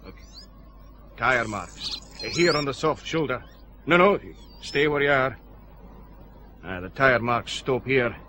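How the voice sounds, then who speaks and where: A man's voice: mid-range voice, animated, slow pace, long pauses, background noise. An actor playing a cautious local man guiding police across a bog. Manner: cautious, warning. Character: cautious male local guide on a bog path. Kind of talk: radio drama acting.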